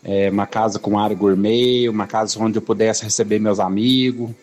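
A man's voice: lowish voice, steady tone, moderate pace, darkish tone, faint music behind. A man calling in to a radio show, hesitant and searching for words. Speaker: radio caller. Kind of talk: casual phone-in chat.

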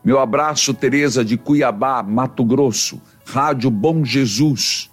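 A Brazilian priest hosts a call-in program, his voice moving from gentle counsel to animated exhortation. His pitch sits in the middle of the male range. Soft music plays faintly behind him. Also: slow. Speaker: priest and radio host. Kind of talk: religious radio call-in.

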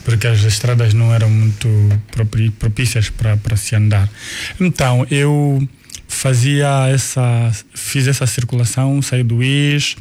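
Angolan man telling his life story slowly. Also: mid-range voice, little pitch movement, darkish tone, slight background noise. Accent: Angolan Portuguese. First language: Kikongo. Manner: unhurried, restarts and repeats words while recalling. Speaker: guest, artist and cultural manager.

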